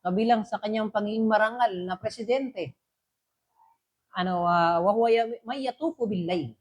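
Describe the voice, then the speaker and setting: A woman teaching a religious lesson. She recites Arabic phrases and then explains them in a relaxed, conversational way, checking in with her listeners. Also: medium pitch, normal speed, low-quality recording. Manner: asks listeners rhetorical checks. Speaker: Islamic teacher.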